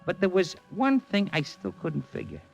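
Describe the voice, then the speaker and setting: An actor playing a slangy, excitable Hollywood talent agent in a 1940s radio drama, narrating and chasing. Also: male voice, high voice, moderate pace, gravelly, heavily acted. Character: brash fast-talking Hollywood agent. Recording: old radio drama with music.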